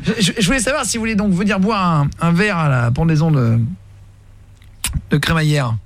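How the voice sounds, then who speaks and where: A young man prank-calls a stranger in a quick, high voice. He rambles, hesitates and restarts constantly while keeping up a fake doctor act. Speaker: prank caller. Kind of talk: prank phone call.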